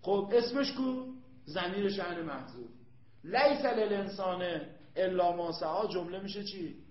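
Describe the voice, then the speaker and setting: A man's voice: high-pitched, lively intonation. A man teaching an Arabic grammar lesson, emphatic, repeating points and quizzing his students. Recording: echoey room, dull lo-fi sound.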